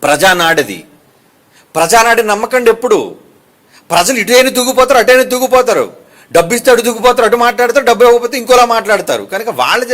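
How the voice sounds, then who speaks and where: A male pastor delivers a sermon in a notably high voice. He preaches emphatically, firing rhetorical questions at the congregation and breaking in with quick asides to keep them with him. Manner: emphatic and animated.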